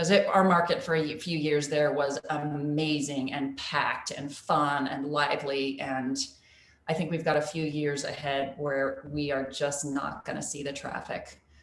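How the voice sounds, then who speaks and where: A woman speaks in a very deep, low voice with a monotone, flat intonation over noticeable background noise. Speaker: farmers market manager. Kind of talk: presentation to a club meeting. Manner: fast.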